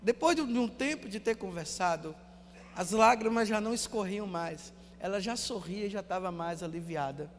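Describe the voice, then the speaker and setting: A Brazilian priest preaching a sermon, telling stories and repeating words for emphasis, often dropping to a hush. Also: male voice, sits high, normal speed, long reverb tail, slight background noise. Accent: Brazilian Portuguese.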